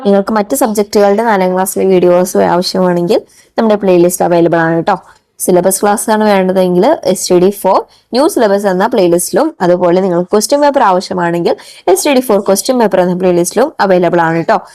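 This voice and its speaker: Woman, brisk friendly channel intro, fast talker, mellow lowish voice, dry close sound. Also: dry recording. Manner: brisk, friendly, addresses viewers as dears. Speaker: channel host.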